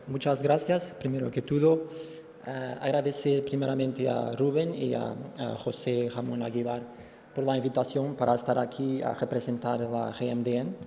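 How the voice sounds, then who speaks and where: A Portuguese man giving a conference presentation in Spanish with a Portuguese accent, speaking haltingly with many fillers and restarts. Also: mid-range voice, vocal fry, warm tone. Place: conference hall. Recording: hall reverb, faint background noise.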